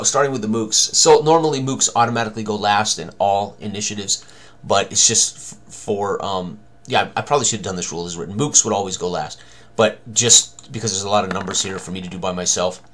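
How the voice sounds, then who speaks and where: A man's voice: on the low side, a little fast, fairly bright tone. An older man presenting a tabletop game tutorial at his computer, thinking aloud in short running commentary on rolls and tallies. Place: small room indoors, at a computer.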